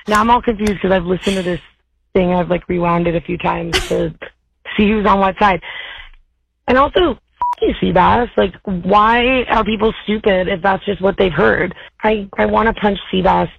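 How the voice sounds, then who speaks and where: A woman with a low, raspy voice leaving a blunt, rambling, profane voicemail for a radio show. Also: steady tone, normal speed, a little hiss or hum. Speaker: voicemail caller. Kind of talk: phoned-in voicemail rant. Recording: dull lo-fi voicemail audio.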